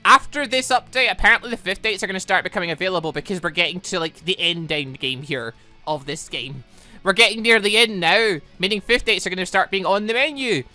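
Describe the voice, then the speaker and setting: A man's voice: high voice, pushed and bright. A man giving casual, rambling, exclamatory let's play commentary as a gaming host.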